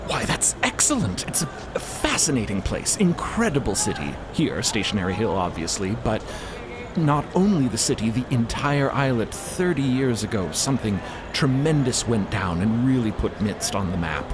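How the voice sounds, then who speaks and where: Man as an eager, animated inventor professor. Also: medium pitch, moderate pace, over music, lightly acted. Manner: eager, effusive. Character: excitable, genial male professor and inventor.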